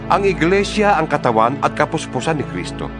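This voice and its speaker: Male actor as fervent apostle, solemn exhortation, widely varied intonation, deliberate phrasing, dramatized audio Bible, clear music bed. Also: on the high side, big pitch swings. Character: Paul the apostle, fervent letter-writer to believers. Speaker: scripture reader. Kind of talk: dramatized audio Bible reading, scripted and declamatory. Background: background music.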